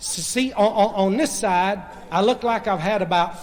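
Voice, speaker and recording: Over noticeable background noise, a man with a Southern US accent talks at a fairly slow pace in a high voice. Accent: Southern American. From Georgia, USA. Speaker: comedian. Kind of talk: live comedic storytelling monologue.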